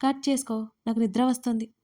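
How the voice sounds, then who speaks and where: A woman's voice: fairly high pitch, level tone, a little fast, mellow, lightly acted. A woman voicing a playful young woman who teases her sister-in-law in an audio story. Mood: teasing. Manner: teasing, mock-dramatic.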